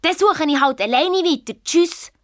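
A woman voicing a headstrong, hot-tempered young girl in an audio drama, narrating in a lively, indignant way with a Swiss German accent. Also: high voice, dry recording, clean studio sound. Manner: lively, indignant, quick to flare up. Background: faint background music.

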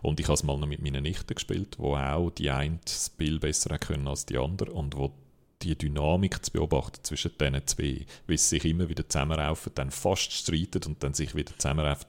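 A man's voice: very deep voice, vocal fry. A man with a Swiss German accent, co-hosting a casual game podcast and arguing his picks with lots of fillers. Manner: animated, opinionated, many fillers. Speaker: podcast co-host.

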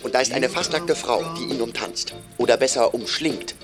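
A man's voice: medium pitch, normal speed, loud music behind the voice, lightly acted. A man in a radio drama, reporting facts in a dry, matter-of-fact way to a colleague. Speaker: colleague on the phone.

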